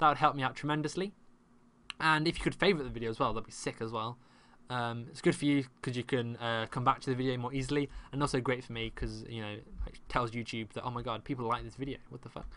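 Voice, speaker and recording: The speaker has a British accent and a very fast pace. The background is quiet. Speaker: gaming YouTuber. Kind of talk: tutorial. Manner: casual, filler-heavy.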